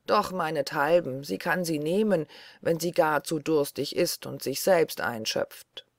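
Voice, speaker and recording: A woman's voice: low voice, no echo, clean studio sound. A woman reading an audiobook, voicing a rude, haughty elder daughter in a fairy tale. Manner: sulky, disdainful, drawn-out.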